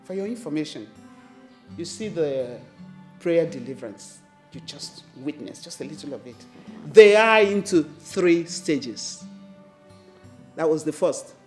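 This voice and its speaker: Woman playing a scolding mum, middle-aged, slow deliberate delivery, lively swoops, echoey room, faint music. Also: sits low. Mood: lecturing. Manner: scolding, bossy. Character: domineering middle-aged mother demanding grandchildren. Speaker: actor. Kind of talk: melodrama acting.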